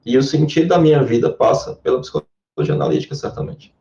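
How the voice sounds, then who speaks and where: A man's voice: mid-range voice, quick pace, warm tone, distant mic. A man with a Brazilian Portuguese accent, a Jungian therapist answering interview questions in a careful, lecture-like way. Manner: explanatory, lecture-like. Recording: echoey dull lo-fi sound.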